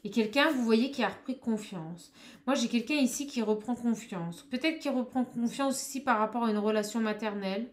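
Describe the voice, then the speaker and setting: A woman doing a card reading for her viewers, talking straight to them and calling out to her spirit guides, with a small high voice. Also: moderate pace. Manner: addresses viewers directly, exclamatory, calls on spirit guides. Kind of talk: tarot reading to camera.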